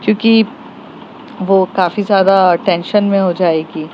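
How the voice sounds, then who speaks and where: A woman voicing a kind, calm older woman who speaks gently and soothingly, on a slightly dull recording with faint traffic behind. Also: mid-range voice, measured pace, natural voice.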